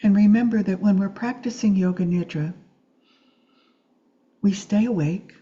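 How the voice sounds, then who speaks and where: A woman with a dark, very mellow voice leads a guided meditation. She speaks gently and soothingly, leaving long, unhurried pauses between short phrases. The recording is slightly dull and muffled. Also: medium pitch. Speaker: meditation teacher. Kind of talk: guided Yoga Nidra meditation.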